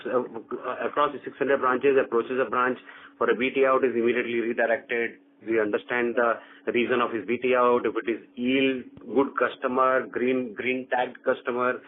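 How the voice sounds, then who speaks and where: A narrow, tinny phone line with a noticeable hum carries an Indian-accented man of medium pitch. He speaks as an executive on a conference call, laying out his explanations point by point. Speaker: company executive answering analysts.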